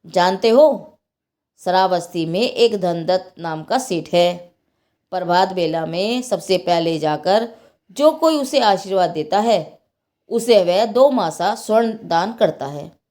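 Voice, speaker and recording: A woman's voice: lowish voice, animated, slow, mellow. A woman voicing a practical, persuasive maidservant in a told story, coaxing and matter-of-fact. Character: practical, persuasive young maidservant giving advice.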